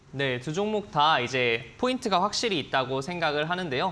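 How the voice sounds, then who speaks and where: A man's fairly high-pitched, normal speaking voice at a moderate pace, with lively intonation. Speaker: research analyst. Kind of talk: studio discussion on stocks. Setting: studio. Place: studio. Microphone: lapel.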